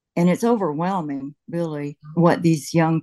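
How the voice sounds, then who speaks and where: Slowly and with a Southern US accent, a woman speaks at a fairly low pitch in a dark, mellow tone, with a dry, close sound with no echo and a quiet background. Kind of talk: casual chat.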